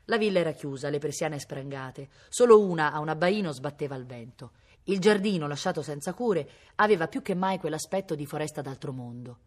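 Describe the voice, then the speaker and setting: A woman's voice: deep voice, expressive, brisk. A woman reading a novel aloud expressively, now and then mimicking animal sounds. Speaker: reader. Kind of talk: read-aloud novel narration.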